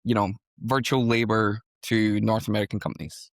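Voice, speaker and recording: A man's voice: lowish voice, steady tone, normal speed, dry recording, studio quality. Upbeat man hosting a podcast. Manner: upbeat, enthusiastic, chatty. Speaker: podcast host. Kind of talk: casual podcast interview.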